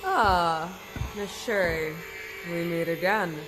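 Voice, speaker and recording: A slow male villain's voice rings with long reverb over music. He is gloating and menacingly courteous, in audio drama style. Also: sits high. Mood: smug menace. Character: gloating, formally polite villain.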